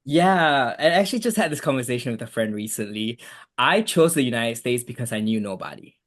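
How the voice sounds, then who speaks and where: A man's voice: mid-range voice, lively intonation, brisk, a bit bright. Easygoing Malaysian man chatting. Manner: easygoing, chatty with frequent fillers. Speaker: guest, immigration attorney. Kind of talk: casual interview.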